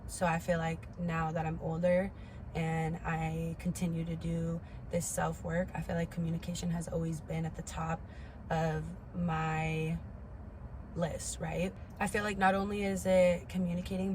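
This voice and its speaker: A woman's voice: lowish voice, little pitch movement, moderate pace, a little mellow, slight background noise, low-quality recording. A woman in her twenties giving a candid personal talk to camera, stressing points emphatically by repeating words. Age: 20s. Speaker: vlogger.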